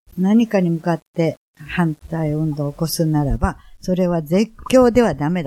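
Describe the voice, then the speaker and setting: At a fairly slow pace, a woman speaks with a dark, mellow tone, a fairly low pitch and ordinary pitch variation, in a dry, close sound with no echo. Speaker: gallery director. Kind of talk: interview. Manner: halting.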